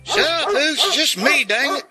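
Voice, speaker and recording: Henpecked country husband, played by a man: very high voice, resigned grumbling, music underneath, comedic audio drama. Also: expressive, moderate pace. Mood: weary. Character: weary put-upon rural husband arriving home.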